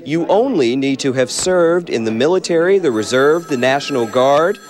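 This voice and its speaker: A man's voice: on the high side, lively intonation, moderate pace. A man reporting live from a phone bank, urging viewers to keep calling. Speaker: field reporter.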